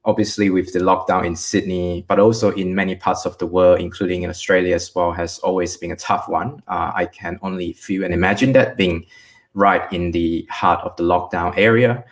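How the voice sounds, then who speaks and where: A young man from Malaysia, a guest in an online interview, speaking reflectively with many filler pauses. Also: low-pitched, steady tone.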